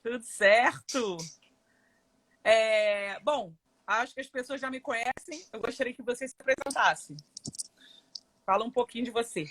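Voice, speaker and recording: A woman's voice: on the high side, measured pace, pauses often, a bit bright, a little hiss or hum. A woman hosting a live stream, chatty and upbeat, rattling off topic lists in a casual way. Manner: chatty, repetitive list-making, upbeat. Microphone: webcam or phone for live stream.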